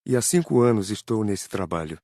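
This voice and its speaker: A man's voice: lowish voice, animated, brisk, warm tone, dry recording, clean studio sound. A man with a Brazilian accent playing a devoted, grateful spirit rescue worker in an audiobook. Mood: earnest, devoted. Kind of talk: audiobook character dialogue.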